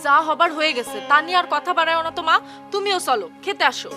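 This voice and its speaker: An actress playing a young village daughter who coaxes and pleads to calm her parents. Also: very high-pitched, fast talker. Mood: pleading. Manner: coaxing, pleading. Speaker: daughter in a TV serial. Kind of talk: TV drama acting. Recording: background music under the dialogue. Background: music.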